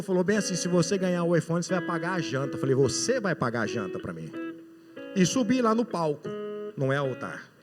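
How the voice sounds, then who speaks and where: Male Brazilian pastor, high-pitched, animated storytelling sermon, reverberant sanctuary. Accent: Brazilian Portuguese. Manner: storytelling, acting out dialogue, builds to shouts. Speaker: preacher. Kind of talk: sermon testimony. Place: church hall. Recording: reverberant church hall with music.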